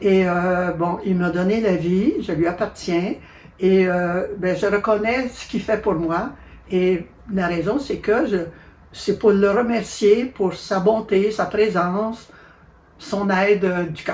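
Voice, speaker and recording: Her pace is very slow. The woman speaks at medium pitch with ordinary pitch variation. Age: 80s+. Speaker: nun, retired teacher. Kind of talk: interview testimony on faith.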